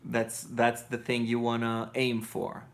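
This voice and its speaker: A man's voice: mid-range voice, completely flat delivery, takes it slowly, creaky. A man in his thirties with a Brazilian accent, sleepy and rambling loosely as he answers chat on a live stream from his living room. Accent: Brazilian Portuguese. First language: Portuguese. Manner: loose, digressive, self-correcting, blunt. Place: living room with couch and colored lights.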